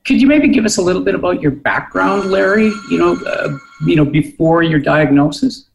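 A man's voice: high voice, lively intonation, normal speed, creaky, slight background noise. Conversational man hosting, echoey room. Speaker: host. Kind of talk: casual talk show chat.

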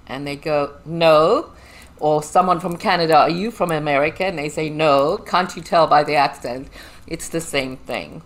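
A woman's voice: low-pitched, moderate pace, low-quality recording. A woman from Zimbabwe with a Zimbabwean accent, chatting animatedly as an interview guest. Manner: chatty and animated, laughs often. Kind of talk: casual interview chat.

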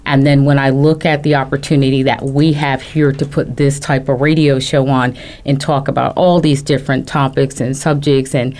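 A woman's voice: rumbling low, little pitch movement, moderate pace, hardly any pauses, darkish tone. A woman co-hosting a radio talk show, speaking casually with lots of "um" and affirming interjections. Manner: affirming, frequent backchannels, many fillers.

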